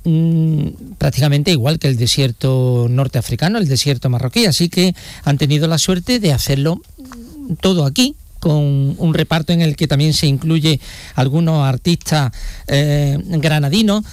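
A man's voice: on the high side, moderate pace, a little mellow, dry recording. A man giving a live regional report, joking and rambling with fillers. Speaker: regional correspondent.

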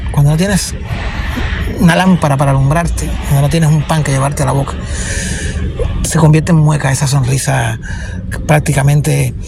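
A man's voice: on the high side, steady tone, normal speed, creaky, pauses often, background noise. A Cuban man in his fifties, an improvising poet interviewed as a guest, speaking earnestly and emphatically and repeating phrases for weight. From Cuba.

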